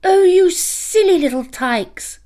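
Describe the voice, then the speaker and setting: A woman's voice: very high voice, animated, takes it slowly, dark tone, voice pushed up, full character voice. A woman voicing a mother dog in a children's storybook, firm and protective but loving. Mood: relieved, scolding fondly.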